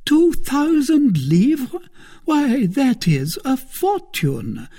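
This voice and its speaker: A shrill, anxious, penny-pinching middle-aged wife, played by a male narrator, her voice climbing very high and wavering as it pleads. It stays mellow and a little husky underneath, and the lines are slow and drawn out. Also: big pitch swings, exaggerated voice.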